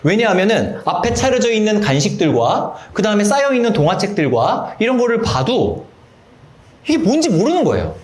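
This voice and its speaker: A man giving a Bible study lecture at a church, lively and acting out quoted voices. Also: high voice, a little fast, echoey room. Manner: animated, acts out quoted voices.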